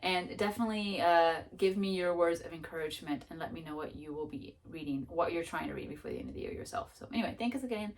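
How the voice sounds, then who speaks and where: A woman's voice: lowish voice, lively intonation, fast talker, hardly any pauses. Woman, book vlogger, casual chat, self-mocking, slightly distant mic. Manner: chatty and self-mocking, with many restarts and laughs.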